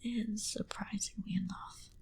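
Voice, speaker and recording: A woman acts out a wistful female vampire for an ASMR roleplay. She whispers in a very breathy voice, unhurried and intimate. Her dark backstory comes out as a slow, confiding tale. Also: mid-range voice, fairly even intonation, full character voice. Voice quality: breathy, mostly unvoiced whisper.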